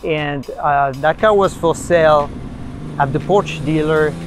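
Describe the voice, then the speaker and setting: A middle-aged man from France speaks in a French accent, his voice sitting a little high. He talks haltingly, with many pauses and fillers, like a guest chatting in a car. Music plays clearly beneath him. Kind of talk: casual interview in a car. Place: inside a car on city streets.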